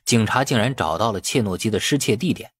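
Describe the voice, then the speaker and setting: A man's voice: lowish voice, lively intonation, fast talker, a bit bright, husky, no room sound. A man reading a novel aloud as scripted, dramatic audiobook narration.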